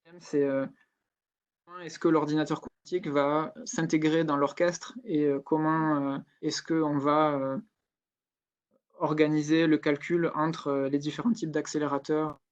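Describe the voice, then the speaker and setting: A man's voice: fairly high pitch, level tone, unhurried. A man, a research scientist, answering interview questions hesitantly with many fillers. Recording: dull lo-fi sound.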